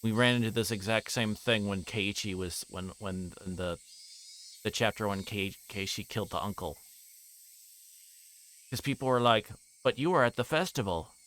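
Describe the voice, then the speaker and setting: Low-voiced man streaming over background noise. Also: moderate pace, a bit bright. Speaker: livestreamer playing a visual novel. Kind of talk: reading game text aloud with casual commentary.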